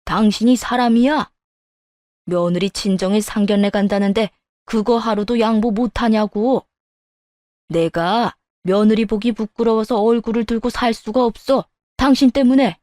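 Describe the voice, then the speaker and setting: A woman's voice: a little high, moderate pace, a little mellow, dry recording, clean studio sound, lightly acted. A woman voicing a stern, furious older father-in-law. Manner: scolding, indignant. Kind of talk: scripted story narration.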